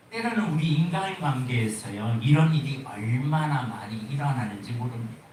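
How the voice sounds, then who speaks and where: Korean pastor preaching in an echoey church. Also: male voice, on the high side, a little hiss or hum. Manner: earnest preaching with acted-out anecdotes. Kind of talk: sermon. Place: church sanctuary. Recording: very echoey church hall, distant mic.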